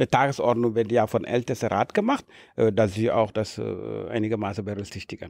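With vocal fry and a fairly low pitch, a man speaks at a moderate pace in a monotone, flat intonation, with a dry sound with no echo and a quiet background. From Senegal. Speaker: member of parliament; politician interviewee. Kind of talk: interview. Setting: office in parliament building. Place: hall. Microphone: handheld.

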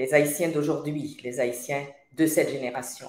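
The room echo is audible. The pace is very slow. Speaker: author. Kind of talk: panel discussion. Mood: reflective, earnest. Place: home room.

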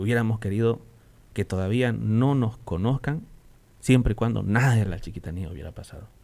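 A man with a fairly low pitch and a dark, mellow tone speaks with ordinary pitch variation and big swings in loudness. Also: moderate pace. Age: 30s. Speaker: volunteer firefighter; guest. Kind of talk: radio interview. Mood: earnest, reflective. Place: studio. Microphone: studio mic.

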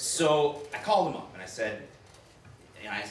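Music plays in the background, and audible room echo surrounds the voice. The speech moves at a fairly slow pace with ordinary pitch variation. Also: man. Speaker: stand-up comedian. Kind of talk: stand-up comedy routine. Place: stage.

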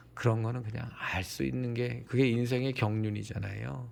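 At a rather unhurried pace, the speech comes out somewhat breathy, its pitch varying in an ordinary way. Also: man. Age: 50s. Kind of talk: appeal to viewers. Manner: impassioned.

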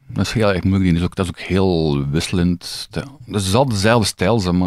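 A man's very deep, low voice at a fairly quick pace with hardly any pauses, ordinary pitch variation, a quiet background and a dry sound with no echo. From Belgium, Limburg; Belgium. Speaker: comic artist. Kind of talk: casual chat. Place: studio. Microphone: studio mic.

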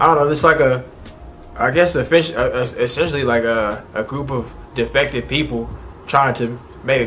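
A man at a fairly slow pace, with long, frequent pauses, fairly even intonation and light background noise. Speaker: commentary channel host. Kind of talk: casual reaction commentary. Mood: dismissive, mildly annoyed. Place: home room.

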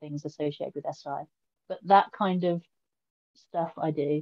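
With quiet surroundings, a woman is talking. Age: 40s. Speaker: artist and personality-typing enthusiast; interview guest. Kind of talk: casual conversational interview. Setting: video call. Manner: hesitant, many fillers and repetitions. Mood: reflective. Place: home room. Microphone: video call.

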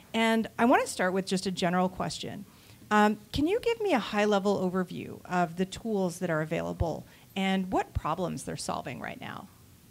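Her pace is moderate. The woman's pitch shifts in an ordinary way. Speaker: panel moderator and compliance specialist. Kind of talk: moderating a live panel discussion. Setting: stage with audience. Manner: animated. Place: meeting room. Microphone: handheld.

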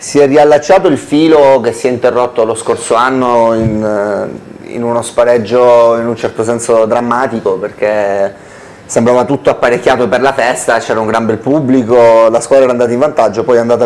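The speaker is a man with ordinary pitch variation. He keeps to a moderate pace. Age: young. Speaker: sports journalist. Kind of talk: TV sports panel discussion. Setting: TV studio. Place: studio. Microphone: lapel.

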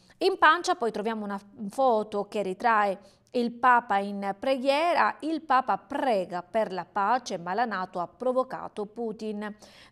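A woman with a normal speaking voice and a fairly high pitch talks at a fairly slow pace with lively intonation, on a very clean recording with a silent background. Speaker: newspaper review presenter. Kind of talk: newsreading of press headlines and quoted columns. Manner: formal, steady reading pace.

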